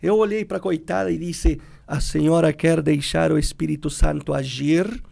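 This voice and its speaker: A middle-aged man, a priest, talking in a relaxed way and telling stories, acting out the people he quotes. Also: a little high, moderate pace, vocal fry. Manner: animated, acts out quoted people. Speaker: priest guest. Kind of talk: conversational storytelling.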